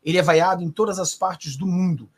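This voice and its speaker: Husky Brazilian man mocking on his channel. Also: high-pitched, a little fast. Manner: animated, sarcastic, talks straight to viewers. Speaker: host. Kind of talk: political commentary.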